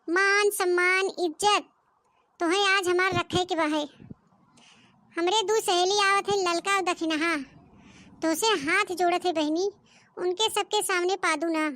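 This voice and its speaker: A woman voicing a sharp-tongued old village mother-in-law in a comic cartoon, speaking with an Awadhi accent and scolding in loud exclamations. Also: very high-pitched, dry recording, studio quality.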